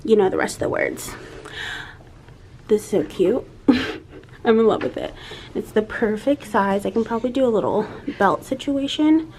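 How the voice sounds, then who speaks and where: A woman's voice: fairly high pitch, lively intonation, normal speed, pauses often, darkish tone. A woman vlogging in a casual, chatty, informal way, peppering her talk with "like". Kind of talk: casual chat to camera. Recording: clear background noise.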